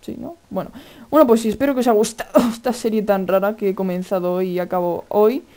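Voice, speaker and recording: Man, Spain Spanish accent, excitable gameplay commentary, mellow tone. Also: sits high, fast. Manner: excitable, chatty, exclaiming. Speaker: gaming video host.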